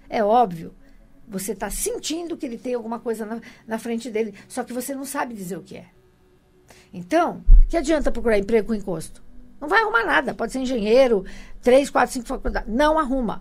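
Over faint music in the background, a woman speaks at a fairly high pitch and a fairly quick pace with lively intonation. Her loudness swings widely, and she takes long, frequent pauses. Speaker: spiritual medium; radio show host. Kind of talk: casual talk show chat. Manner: fast. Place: studio. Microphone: studio mic.

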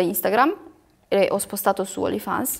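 Her pitch moves with ordinary variation. The speaker is a woman. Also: quiet background. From Romania. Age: 20s. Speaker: content creator. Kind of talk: casual chat. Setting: studio. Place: studio. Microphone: lapel.

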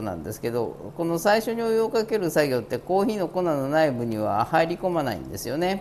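Over light background noise, a man's voice moves through very wide pitch swings. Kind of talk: tutorial. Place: shop.

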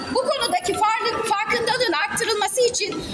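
Clear music plays in the background. A woman talks at a fairly quick pace over it. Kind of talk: press statement. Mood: solemn, commemorative. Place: hall.

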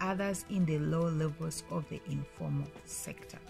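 A woman is speaking. Faint music can be heard in the background. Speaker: educational vlogger. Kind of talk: informational talk, partly read. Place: home room. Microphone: phone near.

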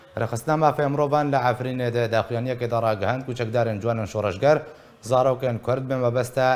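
Speaking at a very fast pace, a man has a medium pitch. His intonation is fairly even, and background noise is noticeable. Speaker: news presenter. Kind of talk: news reading.

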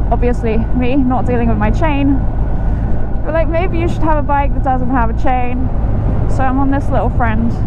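Loud background noise surrounds a woman speaking at a moderate pace, her voice dry with no echo. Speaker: motorcycle vlogger. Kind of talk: casual vlog chat. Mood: cheerful, chatty. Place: motorbike. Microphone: helmet.

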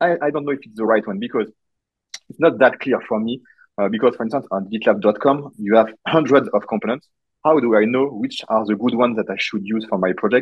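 A man with a French accent talks at a fairly quick pace and a medium pitch. His pitch variation is ordinary, while his loudness swings widely. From France. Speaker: tech advocate. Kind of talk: conference talk. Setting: stage with audience.

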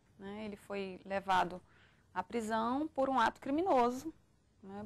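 A woman's fairly high voice, a plain, everyday voice with ordinary pitch variation. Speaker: public prosecutor. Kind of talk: interview. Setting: studio in a library. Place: studio. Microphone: lapel.

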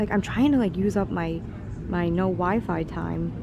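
Noticeable background noise fills the recording. Over it, a woman's speech moves along at a moderate pace. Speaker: travel vlogger. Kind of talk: casual vlog chat. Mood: relaxed, reflective. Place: station. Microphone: phone near.

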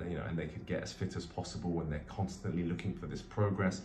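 Light background noise and audible room echo accompany a man with a London accent whose very deep, low voice is somewhat breathy. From London, England. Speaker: vlogger. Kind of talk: casual vlog monologue. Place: home room. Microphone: phone near.

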